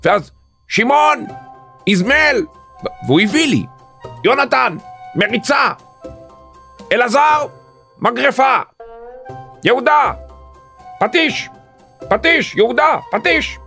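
A man voicing a grumpy old priest in a comic audio sketch, gruff and scolding as he barks orders. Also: very high voice, big pitch swings, a bit bright, soft background music, exaggerated voice.

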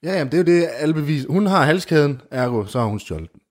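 A man telling an improvised comic story in casual chat, animated and full of fillers. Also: on the high side. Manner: animated, jumps into character voices, many fillers like "du ved".

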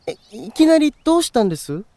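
A friendly boyish young man, high soft mellow voice, lots of bounce, audio drama. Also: big pitch swings, fast, dry recording. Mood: puzzled. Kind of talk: Japanese voice drama acting.

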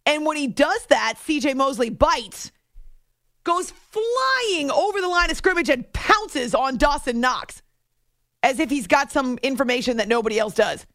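A woman hosting a sports radio show in a chatty, animated monologue from a studio. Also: high-pitched, measured pace, dry recording. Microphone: close studio microphone.

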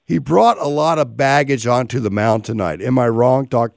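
Raspy-voiced sports talk host. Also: male voice, mid-range voice, normal speed, dry recording, clean studio sound. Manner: rambling, conversational analysis.

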